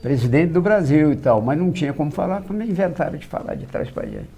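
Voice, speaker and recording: An older man with a Minas Gerais accent, telling long anecdotes in a dark, husky voice. He is a lively raconteur who acts out the lines of the people in his stories. He speaks as a guest on an interview show. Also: on the high side, quick pace. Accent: Minas Gerais Brazilian Portuguese. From São João del Rei, Minas Gerais, Brazil. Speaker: guest, journalist. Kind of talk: anecdotal storytelling.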